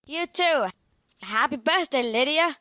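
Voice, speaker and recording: A woman's voice: sits high, expressive, unhurried, sharp tone, no echo, clean studio sound, exaggerated voice. A woman playing a stubborn, eager twin sister in an audio drama. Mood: cheerful. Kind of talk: hobby audio drama acting.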